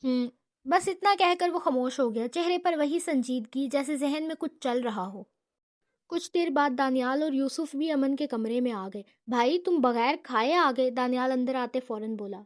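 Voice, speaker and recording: A woman narrating a romantic comedy novel with even storytelling. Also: high-pitched, no echo, clean studio sound.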